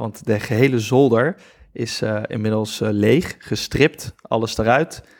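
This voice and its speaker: This is a man speaking. His pace is very slow. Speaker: work-from-home dad, podcast co-host. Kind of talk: casual chat.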